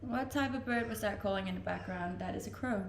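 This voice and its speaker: Danish-accented female streamer, gravelly, chatty and self-deprecating, echoey room with faint noise. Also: medium pitch, brisk. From Denmark. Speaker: Twitch streamer. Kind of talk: casual live-stream chat, reading out and answering viewer comments.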